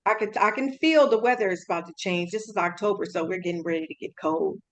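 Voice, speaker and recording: A woman's voice: medium pitch, fast talker. Chatty woman interviewer. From California. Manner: chatty, friendly, laughs easily. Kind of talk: casual interview chat.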